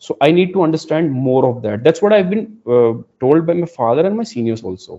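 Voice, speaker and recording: A man talks at a fairly quick pace with hardly any pauses. His fairly high voice makes very wide pitch swings. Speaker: officer candidate in mock interview. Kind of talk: mock job interview. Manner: halting.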